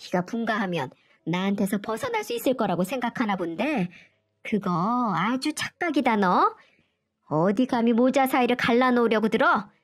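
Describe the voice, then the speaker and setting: A cruel older mother-in-law, put on by a woman storyteller, spitting out harsh, scornful scolding. The voice sits a little high, with faint music under the reading.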